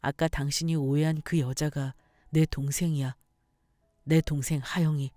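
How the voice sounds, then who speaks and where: A woman's voice: sits low, little pitch movement, moderate pace, warm tone, no echo, clean studio sound, faint music behind, natural voice. A woman voicing a remorseful husband who earnestly confesses a family secret in a storybook reading. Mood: apologetic. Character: remorseful husband, adult man, pleading.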